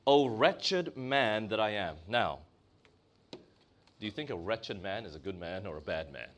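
A man's voice: lowish voice, expressive, unhurried. A male preacher with a Malaysian accent, delivering a sermon and asking his congregation questions as he stresses key words.

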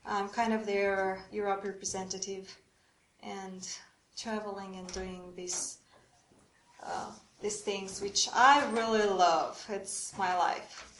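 A woman's voice: medium pitch, fairly even intonation, slow, a bit bright, a little hiss or hum. A woman from Romania, leading a church workshop on prayer and drawing the audience in with questions. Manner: engaging, asks the audience questions. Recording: echoey room.

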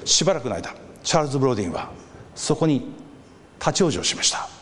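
Animated male preacher in a hall. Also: medium pitch, fast talker. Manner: animated storyteller acting out crowd voices. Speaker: pastor. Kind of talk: sermon with storytelling. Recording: reverberant hall with faint background noise.

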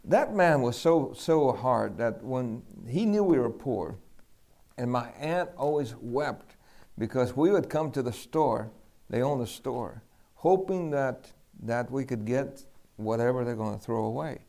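Gravelly-voiced man preaching a story. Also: mid-range voice, unhurried. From Puerto Rico. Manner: lively testimony storyteller acting out dialogue. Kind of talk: sermon storytelling.

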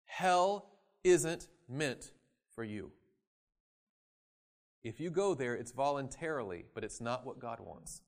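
A man preaching a sermon, acting out quoted voices and swinging from loud emphasis to quiet asides. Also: medium pitch, expressive, takes it slowly, long pauses. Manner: dramatic, acts out voices in quoted scripture.

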